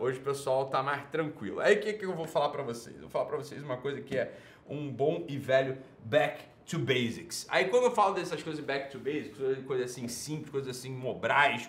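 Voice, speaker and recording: A man with a Brazilian Portuguese accent, hosting a livestream and ranting sarcastically at his viewers. He swings between low muttering and loud shouting. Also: echoey room, a little hiss or hum. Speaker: livestream host.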